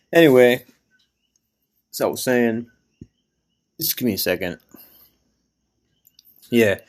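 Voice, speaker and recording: A young man from Florida, raised in Puerto Rico, hosting an unedited solo podcast and telling a story in a rambling, profane, self-deprecating way. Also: fairly low pitch. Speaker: podcast host.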